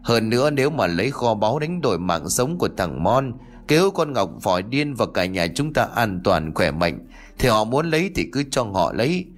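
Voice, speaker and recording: A man's voice: fairly low pitch, very animated, moderate pace. A man voicing a worried old grandmother who heads the family, weary and scolding.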